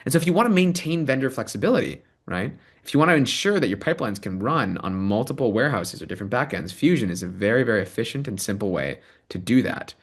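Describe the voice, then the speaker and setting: Animated man hosting a software demo. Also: mid-range voice, fast talker, few pauses, slightly rough. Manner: animated, enthusiastic, many ums and rights. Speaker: product manager giving a demo and host. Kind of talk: live software demo and interview. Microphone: video call.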